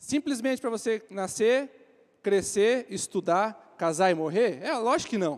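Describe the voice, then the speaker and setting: With lively intonation, a man delivers his words fairly slowly. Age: 30s. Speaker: pastor. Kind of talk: sermon.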